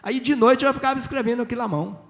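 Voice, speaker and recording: A man's voice: extremely high pitch, rapid-fire. An older man from Minas Gerais, telling chatty stories as a writer on a literary festival panel, often acting out dialogue. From Minas Gerais, Brazil. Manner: lively, chatty, tag questions, acts out dialogue.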